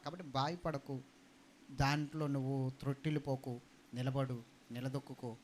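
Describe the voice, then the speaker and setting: A male pastor preaching a sermon in a church, calling out questions to the congregation and swinging between emphatic peaks and quieter stretches. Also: mid-range voice, steady tone, moderate pace, a little hiss or hum. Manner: preaching with call-and-response to the congregation; rising and falling emphatic delivery. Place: church hall.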